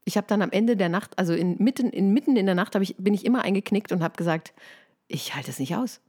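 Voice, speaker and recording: A woman in her thirties co-hosting a casual chat, telling a story in a lively way and acting out the people she quotes. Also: medium pitch, fast. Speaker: podcast co-host.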